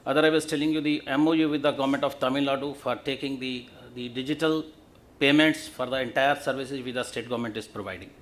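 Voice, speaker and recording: A man with an Indian accent giving a formal business presentation as a bank executive, in a halting, list-like delivery. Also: mid-range voice, fairly even intonation.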